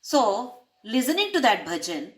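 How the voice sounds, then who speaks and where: Woman spiritual teacher, unhurried and fairly high, rhetorical questions, Sanskrit terms. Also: sing-song. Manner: asks rhetorical questions to listeners. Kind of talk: explaining a spiritual text.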